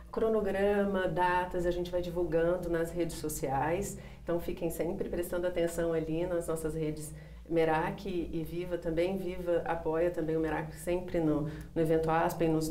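A woman in her thirties from Brazil, a project coordinator interviewed in a TV studio, speaking haltingly, repeating words and listing items. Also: on the low side, dark tone, reverberant, a little hiss or hum. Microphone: lapel mic.

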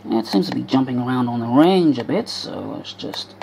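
A woman's voice: very deep voice, lively intonation, normal speed, creaky, a little mellow, a little hiss or hum. A woman narrating a hands-on repair in an explanatory, step-by-step manner, as a vlogger. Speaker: vlogger repairing vintage electronics. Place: indoor home workshop.

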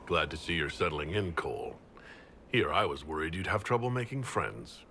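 A deep-voiced male leader in a fantasy video game. He is composed, diplomatic and reassuring, with measured delivery over clear ambient noise. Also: lively intonation, pushed and bright, full character voice. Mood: calm, encouraging.

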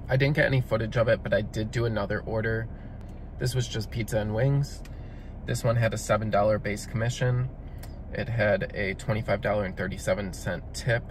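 A man's voice: fairly low pitch, noisy background. A man narrating a voice-over review of a delivery gig, explaining things step by step in a matter-of-fact way. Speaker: delivery driver vlogger.

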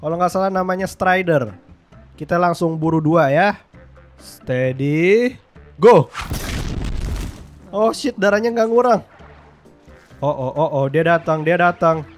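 A young man from Indonesia, giving excitable, slangy gameplay commentary. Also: a little high, a little slow, soft background music. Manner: excitable, slangy, swears in English often. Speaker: gaming YouTuber.

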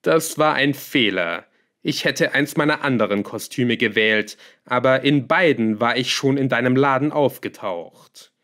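A man voicing a scheming male villain in an audiobook, calm, smug and lightly scornful. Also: medium pitch, unhurried. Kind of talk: audiobook character voice.

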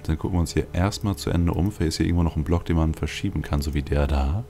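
A man's voice: very deep voice, quick pace, mellow, slight background noise. A man giving casual gameplay commentary as a let's play host, rambling and thinking aloud. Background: video game music.

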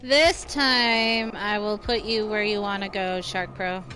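Woman, casual gaming stream chat, easygoing, drawn-out delivery, soft music behind. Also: mid-range voice, steady tone. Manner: easygoing, chatty, thanks viewers by name. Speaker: livestream gamer.

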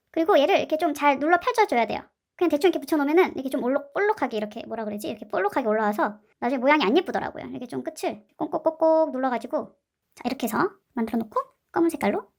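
Her voice sits high yet sounds gravelly and darkish as she hosts a casual slime and clay craft tutorial. She keeps up playful chatter and cute sound words while working.

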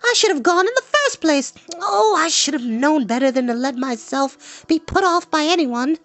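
A performer doing a high-pitched, headstrong young princess. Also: animated, moderate pace, a bit bright, no room sound. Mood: impatient, indignant. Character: headstrong, impatient young princess, crying out in alarm.

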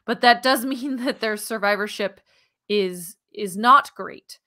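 A woman in her thirties with an American accent co-hosts a science podcast. Her voice is bright and crisp-edged at an average pitch. She explains conversationally and with animation, speaking into a headset from home. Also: unhurried. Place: living room at home, indoors. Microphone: headset on a video call.

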